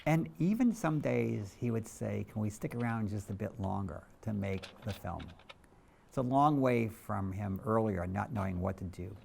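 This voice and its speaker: A man's voice: on the low side, normal speed, vocal fry, darkish tone, slight background noise. A middle-aged male photographer narrating a documentary in a candid, reflective storytelling manner.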